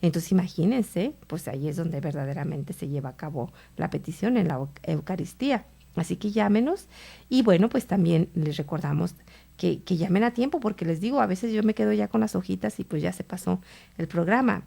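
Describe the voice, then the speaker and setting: A woman hosts a radio prayer program, speaking slowly about faith and often checking in with her listeners. Her voice sits low, with a mellow, dark tone and a gravelly fry at the ends of phrases. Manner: unhurried, with frequent tag questions to listeners. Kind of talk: radio Bible teaching and prayer.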